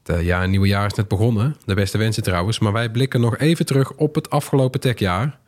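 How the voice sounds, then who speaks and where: A man's voice: on the low side, quick pace, darkish tone. A man, presenting and chatting as a podcast host.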